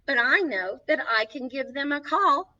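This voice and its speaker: A woman's voice: high voice, expressive, moderate pace, sharp tone. A woman playing Snow White as a sweet, encouraging young princess, hosting a children's story time with sing-song, reassuring delivery, recorded from a distance with slightly dull sound. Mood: warm, encouraging. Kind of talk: children's storytelling, reading a picture book aloud.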